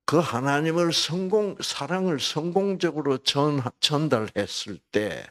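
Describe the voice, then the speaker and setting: Slow, deliberate man giving a Bible lecture. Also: fairly high pitch. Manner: slow and deliberate, poses rhetorical questions; addresses listeners by name. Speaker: Bible lecturer at a health program.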